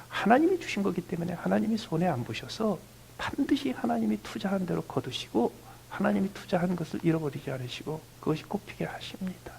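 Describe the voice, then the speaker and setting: A man's voice: gravelly, slight background noise, rough recording. A Korean man in his fifties preaching a sermon as pastor, often dropping to a near whisper on key phrases, then lifting his voice to act out quoted family talk. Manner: acts out quoted family dialogue in a higher, louder voice.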